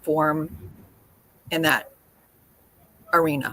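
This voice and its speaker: A woman speaks with a very deep, low pitch. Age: 60s. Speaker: teacher. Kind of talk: personal introduction.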